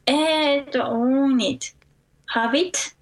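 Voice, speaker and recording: A woman's voice: high voice, extremely slow, noisy background. A woman with a Japanese accent, a native Japanese speaker, co-hosting a podcast and answering English quiz questions in a hesitant way. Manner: hesitant English learner, lots of soft agreeing murmurs.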